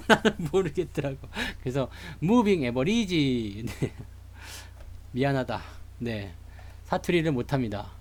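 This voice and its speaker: A man's voice: mid-range voice, lively intonation, takes it slowly, darkish tone. A man from Seoul giving a chatty, joking live lecture on stock charts to online viewers. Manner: chatty, jokey, greets live chat viewers. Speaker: stock market streamer.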